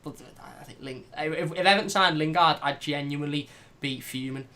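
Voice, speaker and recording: A man hosting a fan channel, chatting casually and reading out live comments, blunt and animated. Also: a little high, normal speed. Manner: animated, blunt, swears lightly.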